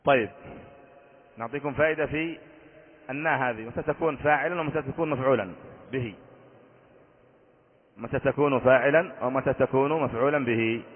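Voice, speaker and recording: A man's voice: medium pitch, a little fast, pauses often, slight background noise. A man, a sheikh, teaching an Arabic grammar lesson, quizzing his students and repeating each rule. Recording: tinny phone-like audio in a long-reverb hall.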